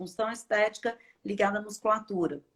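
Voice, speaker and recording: A woman talking at a fairly quick pace. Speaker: speech therapist. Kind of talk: live stream conversation.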